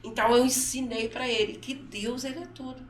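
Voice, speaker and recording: A mother with a fairly high voice tells a personal story as an interview guest in a council studio, speaking briskly with fairly even intonation, far from the mic in an echoey room. Her testimony is emotional, and she acts out her son's words and often repeats herself.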